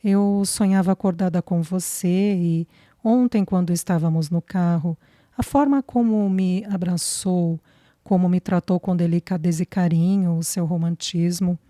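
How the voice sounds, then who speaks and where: A woman's voice: lowish voice, fairly even intonation, a little slow, mellow, no room sound, close to an everyday voice. A woman reading the lines of a young woman in love, fragile and hesitant, close to tears. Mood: tearful. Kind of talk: audiobook dialogue reading.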